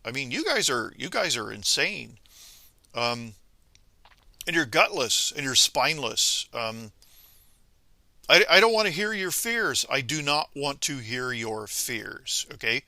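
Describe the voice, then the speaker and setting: A man from Venezuela speaking a political monologue to viewers, halting with many pauses and restarts, then scolding emphatically. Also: medium pitch, very animated, vocal fry, bright, forceful tone, no echo. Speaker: commentator.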